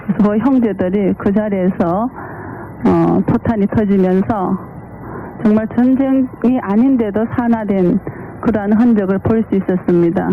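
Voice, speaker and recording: Speaking at a fairly slow pace, a woman keeps a medium pitch, fairly even intonation and very even loudness. Noticeable background noise is present. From South Korea, Waegwan, North Gyeongsang. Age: 40s. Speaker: middle school teacher. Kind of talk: interview testimony.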